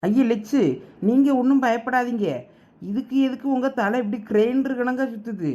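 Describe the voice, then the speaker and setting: A voice actor playing a calm village woman in a cartoon, soothing and kind, with a Thoothukudi accent. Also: medium pitch, moderate pace, muffled recording, lightly acted. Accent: Thoothukudi Tamil.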